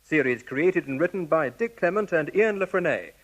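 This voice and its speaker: A man's voice: fairly high pitch, expressive, moderate pace. A man making a formal continuity announcement on the radio.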